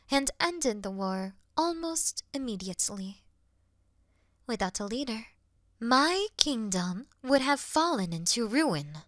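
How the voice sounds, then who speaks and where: Demon queen, played by a woman: regal, sincere, measured and soft-spoken, with a bright edge, recorded dry for fantasy roleplay audio. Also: mid-range voice, dry recording. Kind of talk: scripted fantasy audio roleplay addressed to the listener.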